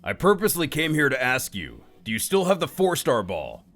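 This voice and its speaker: A man voicing a grave, wary warrior who speaks seriously, with a gravelly, husky voice. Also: mid-range voice, huge pitch swings, fairly bright tone, soft background music. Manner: serious, measured explaining. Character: grave, wary male warrior, low and watchful.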